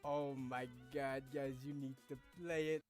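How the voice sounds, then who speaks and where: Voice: medium pitch, flat delivery, unhurried, a little mellow, soft background music. A guest gamer eagerly pushing another game on listeners. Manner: enthusiastic, pushy recommending. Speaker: guest gamer giving a clip.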